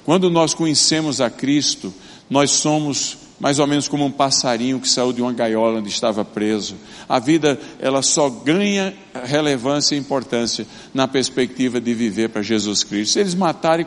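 A man's voice: medium pitch, normal speed. An older man from Brazil preaching a sermon, telling stories and acting out the people in them. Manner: storytelling, animated, acts out quoted voices. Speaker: pastor. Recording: long hall reverb.

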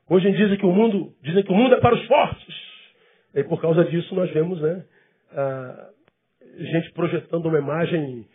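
A man's voice: fairly high pitch, slightly rough, narrow, tinny audio. A male pastor giving a conversational sermon full of rhetorical questions.

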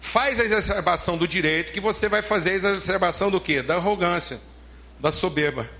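A Brazilian-accented man preaches a sermon in a notably high voice. He is emphatic, hammers his points home by repeating phrases, and calls his listeners beloved. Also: a little fast, sharp tone. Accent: Brazilian Portuguese. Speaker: pastor.

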